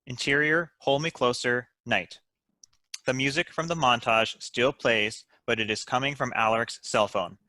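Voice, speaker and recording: A man delivers scripted narration as the reader of stage directions. His voice is medium in pitch and bright, with a crisp edge, in a very dry recording. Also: fairly even intonation, normal speed, dry recording. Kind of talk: scripted narration at a table read.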